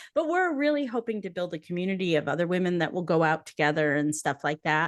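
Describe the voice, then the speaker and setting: A woman's fairly low voice, very fast and very even in loudness, with lively intonation over a quiet background. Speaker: coming out and divorce coach. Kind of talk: casual interview chat.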